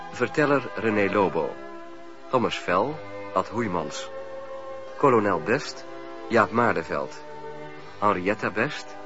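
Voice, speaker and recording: A man formally reading out the title and cast of a radio drama as its announcer. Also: on the low side. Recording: dull radio recording over music. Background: music.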